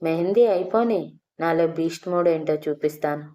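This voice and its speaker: A woman's voice: low-pitched, moderate pace, warm tone, natural voice. Woman voicing a sarcastic older husband. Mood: sarcastic teasing. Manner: sarcastic scolding. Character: stern teasing older husband, grandfather, sarcastic.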